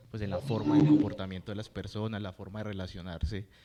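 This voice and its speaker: Speaking at a fairly quick pace, a man with a fairly low pitch has a dark, mellow tone. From Colombia, Bucaramanga then Medellín from age 14. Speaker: graffiti artist. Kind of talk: panel discussion.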